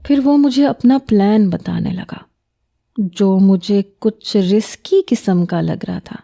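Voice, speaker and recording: A woman narrating a first-person story in a calm, steady storytelling manner. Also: medium pitch, gravelly.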